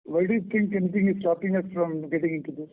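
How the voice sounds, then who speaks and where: A tinny telephone line carries a man with an Indian accent and a fairly high voice. He is a company executive explaining things on a business call. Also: steady tone, fast. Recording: tinny narrow phone line.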